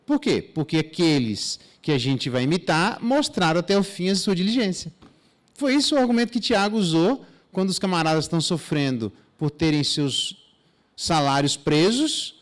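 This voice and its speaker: A man with a Brazilian Portuguese accent, a pastor teaching through a Bible passage in a church, casual and animated, with slang asides and mock dialogues. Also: a little high, normal speed.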